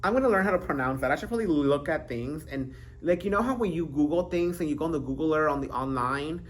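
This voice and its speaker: A man's voice: fairly high pitch, fast talker. A man hosting his own podcast alone, talking casually and rambling, interrupting himself with giggles and breaking into playful sing-song bits. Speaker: podcast host. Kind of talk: casual solo vlog monologue. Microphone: handheld microphone.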